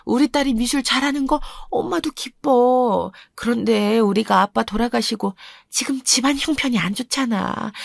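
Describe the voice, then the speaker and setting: A woman voicing a struggling mother who speaks softly and hesitantly, apologizing to her daughter, story reading. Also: on the high side, creaky, dry recording, clean studio sound.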